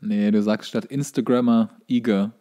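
A man's voice: lowish voice, fairly even intonation, moderate pace, dark tone. A man, co-hosting a comedy podcast with wry, opinionated banter and wordplay. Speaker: podcast co-host. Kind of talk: casual comic banter.

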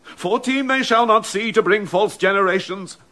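An actor playing a loyal, outspoken courtier in a classic verse radio play, urgent and pleading. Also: male voice, moderate pace. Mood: defiant. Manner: urgent, pleading, lively pitch.

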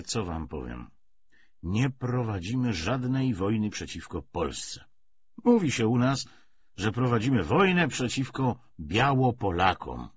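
A man narrating an audiobook, reading a novel's dialogue dramatically in a slightly husky voice. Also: on the low side. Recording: dull lo-fi audiobook recording.

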